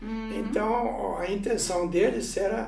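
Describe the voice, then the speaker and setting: A man's very slow speech with music in the background. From Greece. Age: 80s+. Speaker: immigrant, former factory manager. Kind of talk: interview answer.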